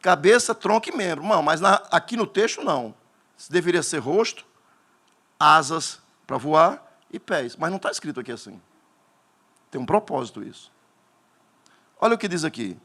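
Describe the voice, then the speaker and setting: Pastor, male, Northeastern Brazilian accent, fiery sermon delivery, lively swinging pitch. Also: moderate pace, pauses often. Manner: animated preaching, bursts into shouting at climaxes.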